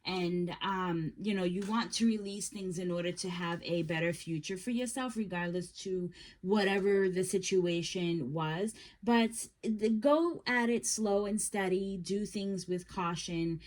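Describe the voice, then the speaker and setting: A woman with a somewhat low voice reads tarot cards for her viewers in a casual, unscripted way. She offers gentle, reassuring advice, though she often stalls on fillers and restarts her sentences. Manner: meandering, halting, with many fillers and restarts. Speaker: tarot reader. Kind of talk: casual tarot reading to camera.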